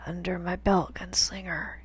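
A woman's voice: fairly low pitch, flat delivery, husky. Woman whispering as a dying old teacher. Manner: whispered, slow and halting. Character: dying old male weapons teacher, gruff, weary.

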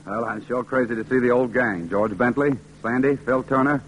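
A man's voice: medium pitch, steady tone, normal speed, slight background noise, lightly acted, low-quality recording. A young man with a Southern accent narrating and playing a Navy veteran coming home in a 1940s radio drama, earnest and plain-spoken.

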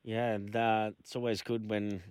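A man's voice: lowish voice, flat delivery, normal speed, darkish tone, smooth, no echo. A middle-aged man hosting a casual chat, telling stories in a rambling way with lots of fillers. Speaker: host.

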